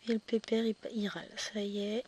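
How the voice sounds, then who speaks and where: A slightly hoarse woman chatting casually as she stitches, correcting herself as she goes and often dropping to a whisper. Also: mid-range voice, level tone, fairly quick, darkish tone, slight background noise. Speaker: cross-stitch vlogger. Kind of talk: casual chat while stitching.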